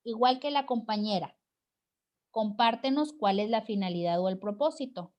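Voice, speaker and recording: Teacher: woman, fairly high voice, encouraging, leads an online class over a video call. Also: moderate pace, darkish tone. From Mexico. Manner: encouraging, frequent "¿verdad?" tag questions.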